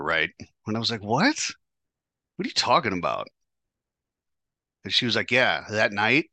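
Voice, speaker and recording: A man's voice: lowish voice, pushed and bright, no echo. A man hosting a podcast, telling a painful personal story in a raw, profane way, stumbling and restarting often. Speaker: podcast host.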